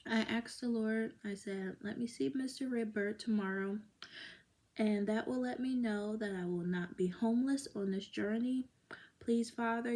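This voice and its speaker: A woman's voice: mid-range voice, dark tone. A woman in a casual faith vlog telling a personal story, rambling and emotional, with many fillers and restarts. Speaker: vlogger.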